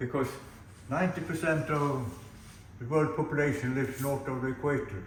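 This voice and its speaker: Over noticeable background noise and audible room echo, a man with a fairly high pitch talks at a fairly quick pace with fairly even intonation and long, frequent pauses. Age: 80s+. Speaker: sailor and boat designer. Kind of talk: casual chat.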